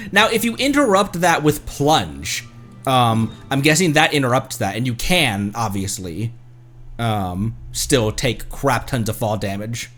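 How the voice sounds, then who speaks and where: A man hosting a live game stream with casual, expressive, self-teasing commentary. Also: medium pitch.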